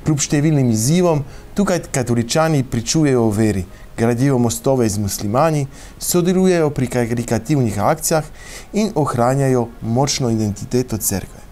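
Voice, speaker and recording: Male TV host, mellow tone, hesitant interviewer, faint music in the background. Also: mid-range voice. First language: Slovenian. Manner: hesitant, many fillers in French. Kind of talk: scripted introduction then interview.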